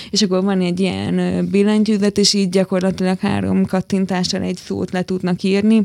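On a very clean recording with a silent background, a woman speaks at a fairly quick pace in a dry, close sound with no echo. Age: 20s. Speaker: hard-of-hearing blogger. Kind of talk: radio interview. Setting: radio studio.

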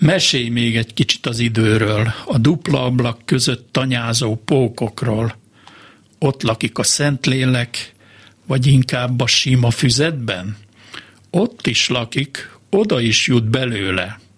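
At a very slow pace, a man speaks somewhat breathily at medium pitch with ordinary pitch variation. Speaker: poet and visual artist. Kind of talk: radio interview. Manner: halting, many fillers and repetitions.

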